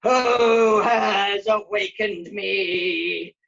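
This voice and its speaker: Woman putting on a slow, imperious grumpy old dragon. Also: creaky, a bit bright, slight background noise, exaggerated voice. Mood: imperious, threatening. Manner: slow, booming, drawn-out proclamations. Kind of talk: puppet show character acting. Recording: dull, lo-fi sound.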